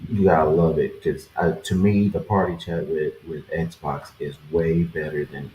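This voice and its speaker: Very low-voiced young guy, roomy far-off mic with light hiss, easygoing gaming talk. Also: fairly even intonation, unhurried, mellow, dull audio. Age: 20s. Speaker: podcast co-host. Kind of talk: casual gaming chat. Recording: distant echoey mic with faint noise.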